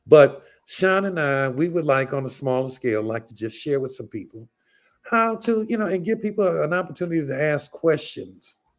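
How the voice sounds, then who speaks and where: Animated and fairly high-pitched, a man talks at a moderate pace, his pitch swinging very widely and his loudness rising and falling a great deal. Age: 60s. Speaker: retired network marketing entrepreneur. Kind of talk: livestream talk. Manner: animated, repetitive.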